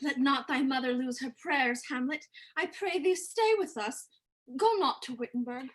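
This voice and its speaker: Gentle queen mother acted by a woman, high voice, pleading, measured Shakespearean verse. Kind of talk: livestreamed Shakespeare dramatic reading.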